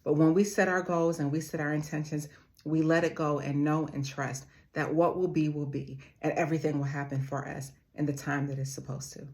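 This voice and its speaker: A woman with a notably deep, low-pitched voice delivers a motivational talk straight to her viewers. She speaks earnestly and addresses them like family. She slows down to repeat her key phrases for emphasis. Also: flat delivery, a little mellow. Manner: calls her audience "family".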